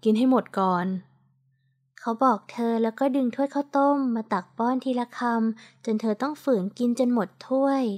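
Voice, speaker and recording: A woman narrating a romance audiobook in a steady, even storytelling voice. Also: a little high, normal speed, few pauses. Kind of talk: scripted narration.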